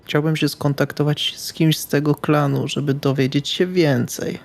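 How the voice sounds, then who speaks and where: Flat, creaky-voiced man roleplaying. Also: a little high, normal speed. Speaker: tabletop game player. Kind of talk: in-character tabletop roleplay, conversational.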